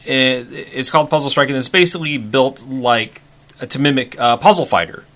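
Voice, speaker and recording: A man co-hosting a casual board game chat, halting with frequent restarts. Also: medium pitch, a bit bright. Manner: halting, many restarts and fillers. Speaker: podcast co-host.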